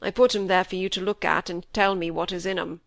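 A woman reading a grief-stricken old country squire in a rough rural dialect, her voice low and broken. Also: level tone, fast, no room sound. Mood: grieving. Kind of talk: audiobook character voice.

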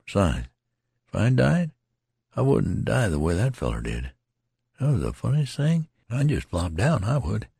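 A man's voice: fairly low pitch, wildly swooping pitch, a little slow, gravelly, warm tone, breathy edge, no room sound, studio quality, pitched above the performer's own voice, exaggerated voice. A man voicing a wounded rustic soldier who muses and rambles in a homespun drawl. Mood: rambling. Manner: homespun drawling dialect, musing.

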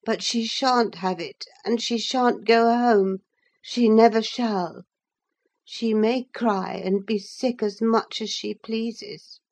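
A woman's voice: fairly high pitch, fairly even intonation, slow, a little mellow, pitched above the performer's own voice. A woman doing a whiny sickly boy. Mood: petulant. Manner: whiny, spoiled. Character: sulky sickly teenage boy, petulant.

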